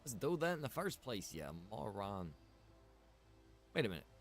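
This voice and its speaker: A man's voice: medium pitch, big pitch swings, moderate pace. A man chatting casually as he streams a game, informal and muttering to himself with the odd mild grumble. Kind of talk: casual chat while gaming.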